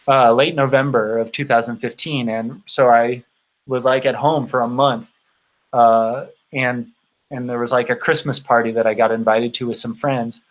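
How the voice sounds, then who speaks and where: A man in his thirties hosts a casual livestream in a medium-pitched voice. He talks informally and rambles, often halting to find his thought. His voice is tiring from long use. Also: steady tone, low-quality recording. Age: 30s. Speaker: host of a bicycle touring channel.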